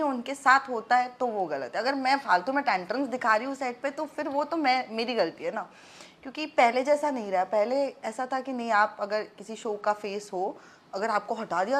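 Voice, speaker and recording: A young actress chatting candidly as an interview guest, mixing English phrases into her Hindi. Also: a little high.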